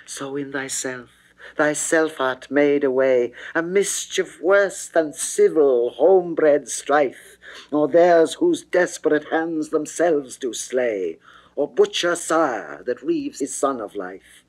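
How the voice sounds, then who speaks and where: A man voicing a seductive goddess of love who pleads passionately, in a theatrical, declamatory and measured classical verse reading. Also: fairly high pitch, a little mellow, pitched above the performer's own voice, poor audio. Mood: urgent persuasion.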